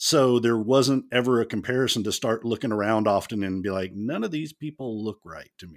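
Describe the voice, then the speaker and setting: In an American accent and a normal speaking voice, a man talks at a medium pitch and fairly quick pace with hardly any pauses, ordinary pitch variation and big swings in loudness. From Texas, near Dallas. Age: 50s. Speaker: police officer. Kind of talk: personal testimony interview.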